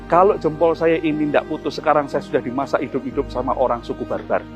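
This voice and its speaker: A man voicing a king who has lost his thumb, with a higher, indignant, complaining voice. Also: fast, over music, close to an everyday voice. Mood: grateful. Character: fretful king, hurt and quick to anger.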